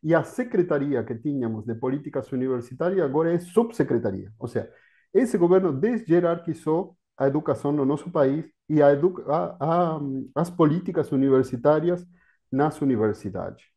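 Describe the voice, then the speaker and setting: A man's voice: fairly high pitch, lively intonation, normal speed, mellow. A man with an Argentine Spanish accent, a native Spanish speaker, giving an academic panel talk over a video call with many fillers and restarts. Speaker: university lecturer.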